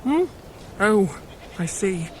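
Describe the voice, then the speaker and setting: An anxious palace servant in a fantasy audio drama. The voice sits at a middle pitch and sounds fretful, worried and a little reproachful. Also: female voice, very animated, extremely slow, slight background noise, poor audio. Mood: resigned.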